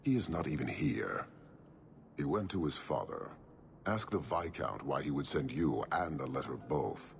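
Very deep, gravelly horned warlord. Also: male voice, big pitch swings, a little hiss or hum, heavily acted. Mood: solemn, unyielding. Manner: slow, measured, formal. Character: stern, imposing horned alien warlord, solemn and unyielding. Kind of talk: video game dialogue.

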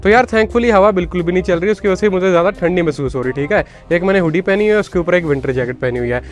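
A young man vlogs outdoors on a snowy city street, filmed on a handheld camera, giving a casual walking tour. His voice is high-pitched and rapid-fire, with music in the background, and he mixes Hindi with English, calling his viewers "bhai."

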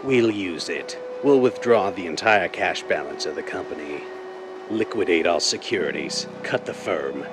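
An actor playing a blind, cold criminal mastermind in a deliberate, commanding, theatrical 1930s radio drama style. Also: male voice, sits low, expressive. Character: blind, cold, menacing male crime mastermind called the Owl. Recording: noisy vintage-style radio drama recording.

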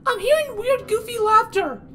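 A performer voicing a panicky, whiny female animatronic chicken in a squeaky voice for an amateur cartoon skit. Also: moderate pace, fairly bright tone, slight background noise. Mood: alarmed. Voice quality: squeaky, falsetto-like.

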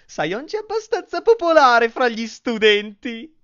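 A man acts out an excitable, girl-crazy teenage schoolboy from an anime fan dub. His delivery is melodramatic and highly animated, swinging from outbursts to hushed lines. The recording is dull and lo-fi. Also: a little slow, full character voice. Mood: whiny, frustrated.

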